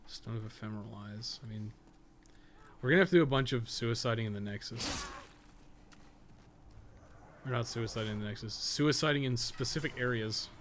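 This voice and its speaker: A man's voice: medium pitch, moderate pace, pauses often. A man giving casual gameplay commentary, rambling and thinking aloud, with casual swearing. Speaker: podcast co-host playing a game. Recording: clear steady background noise.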